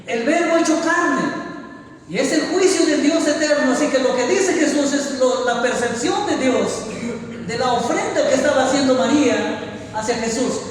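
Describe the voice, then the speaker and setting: A man's voice: very high-pitched, normal speed. A man, a church elder, preaching an evangelical sermon and exhorting the congregation with rhetorical questions. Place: church hall. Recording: echoey church hall, voice from far off.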